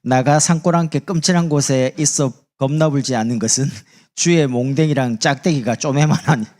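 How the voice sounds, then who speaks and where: Brief: male pastor doing a loud, slow Jeolla country man reciting scripture. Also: medium pitch, voice pushed up, close to an everyday voice. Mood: folksy. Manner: loud, drawn-out folksy recital. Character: folksy Jeolla-speaking man reciting a psalm.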